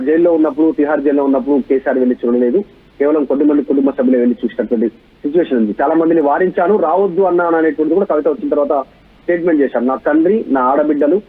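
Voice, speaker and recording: A husky-voiced man gives live news analysis at a quick pace. He stacks points in repeated lists and rhetorical questions, over dull lo-fi broadcast audio. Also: on the high side.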